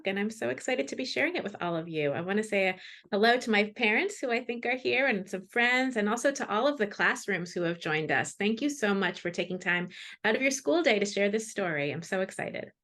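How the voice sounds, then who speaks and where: A woman's voice: mid-range voice, expressive, fairly quick, fairly bright tone. A woman, a children's author, introducing and reading her picture book to classrooms over a video call.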